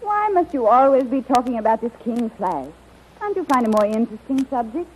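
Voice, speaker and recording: Animated, haughty, flirtatious queen. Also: fairly high pitch, fairly quick. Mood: petulant, flirtatious. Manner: haughty, coquettish. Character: imperious, flirtatious queen, languid and petulant. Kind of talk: 1930s radio serial melodrama. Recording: dull, noisy 1930s radio recording.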